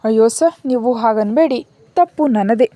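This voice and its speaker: A woman's voice: a little high, moderate pace, dark tone, dry recording, close to an everyday voice. A woman voicing a polite, tender-hearted young woman working as a nanny in a spoken story, reading her lines earnestly.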